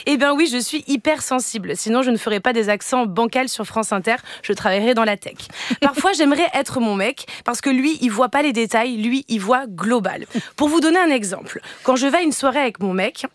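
A woman delivering a comic column into a studio microphone, playful and theatrical. Her voice sits high and bright in pitch, and the sound is dry and close. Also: expressive, dry recording. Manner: playful, theatrical, quick jokes. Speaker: resident comedian columnist. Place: radio studio.

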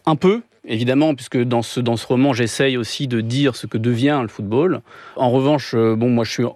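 Novelist guest, 30s male from France, measured and hesitant, dry close sound. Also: mid-range voice, a little mellow, no echo. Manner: thoughtful, hesitant, many pauses with fillers. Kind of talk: radio interview answers.

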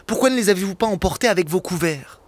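A man reading aloud as a gentle, serene old bishop who speaks calmly and kindly. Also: sits high, fast talker, a little hiss or hum. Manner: calm, kindly, a touch solemn.

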